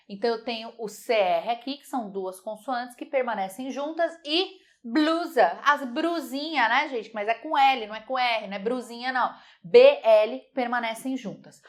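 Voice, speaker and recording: A woman teaching a Portuguese grammar lesson, lively and emphatic, repeating words slowly to model their sounds. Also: a little high.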